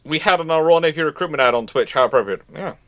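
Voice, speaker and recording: A man's voice: on the high side, lively intonation, fast talker, fairly bright tone. A British man hosting a live question-and-answer stream, giving informal, discursive and opinionated expert commentary with repeated points. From United Kingdom.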